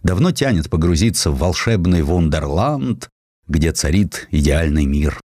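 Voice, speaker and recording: A man's voice: a bass voice, expressive, measured pace, a little mellow, no room sound, full character voice. A man reading an audiobook voices a weary, fatalistic Russian general who broods dramatically on his death. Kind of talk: audiobook character acting.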